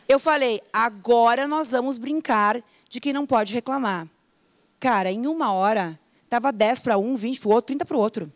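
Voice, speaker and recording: A middle-aged woman coach, giving an animated motivational talk and acting out everyday complaints. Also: a little high, no room sound. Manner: animated, acts out complaints in quick mock voices. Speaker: coach and teacher.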